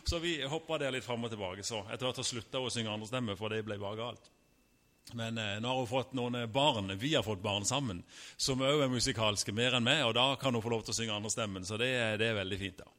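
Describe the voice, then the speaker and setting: A man in his fifties preaches in a conversational, personal way, often stopping to restart his sentences. His voice is mid-pitched, and a long reverb from the church hall trails behind his words. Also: sharp tone. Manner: casual and personal, with frequent fillers and restarts. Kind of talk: sermon.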